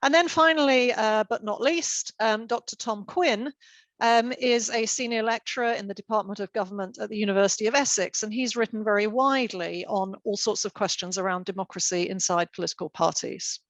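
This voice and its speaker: A woman's voice: medium pitch, brisk, no room sound. Woman chairing a panel, dry sound. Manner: formal, orderly introductions. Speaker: event chair. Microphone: video call.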